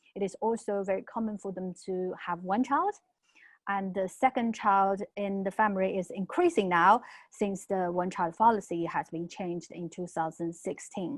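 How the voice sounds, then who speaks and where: A woman with a Chinese accent speaks at medium pitch and a moderate pace. Her pitch variation is ordinary, over a quiet background. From China, Shanghai. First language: Mandarin Chinese. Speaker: arts educator. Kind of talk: interview. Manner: halting, many fillers.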